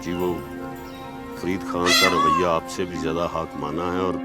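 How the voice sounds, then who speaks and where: A man's voice: low voice, flat delivery, moderate pace, close to an everyday voice. An actor playing a humble male servant who speaks respectfully to his master. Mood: deferential. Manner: respectful, submissive. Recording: music under dialogue.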